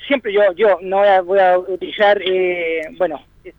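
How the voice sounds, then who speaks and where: A man's voice: sits high, steady tone, moderate pace, a little hiss or hum. A man on a sports panel, talking with many fillers and restarts. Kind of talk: sports talk debate. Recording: tinny phone-line sound.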